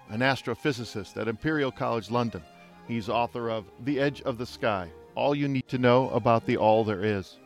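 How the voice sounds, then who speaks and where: A man hosting an interview podcast, asking questions in a measured, conversational way. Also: mid-range voice. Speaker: radio podcast host. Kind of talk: interviewing a guest.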